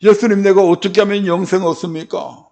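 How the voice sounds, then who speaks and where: A man in his fifties preaching a sermon in a church, his Gyeongsang-accented voice gravelly and a little high. He talks in a folksy way and asks his congregation questions. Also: steady tone, a little fast, darkish tone. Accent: Gyeongsang dialect. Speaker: pastor. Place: church sanctuary.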